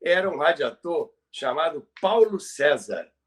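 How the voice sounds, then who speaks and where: A Brazilian man co-hosting a podcast, telling stories about radio history in a halting way that repeats words. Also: a little high, very animated. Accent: Brazilian Portuguese. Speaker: podcast co-host.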